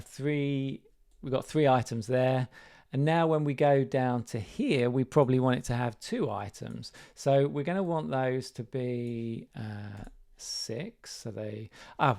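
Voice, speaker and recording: Gravelly man demoing software live. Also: mid-range voice. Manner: relaxed, thinking aloud, self-correcting. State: slightly croaky voice. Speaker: developer demonstrating software. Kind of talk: live screen-share walkthrough.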